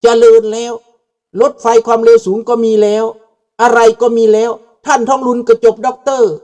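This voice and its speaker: A man's voice: extremely high pitch, little pitch movement, normal speed, dark tone. An older man giving a fiery political talk, mixing Thai and Lao and often asking the audience questions. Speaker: political commentator. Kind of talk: impassioned political monologue. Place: abroad, outside Laos.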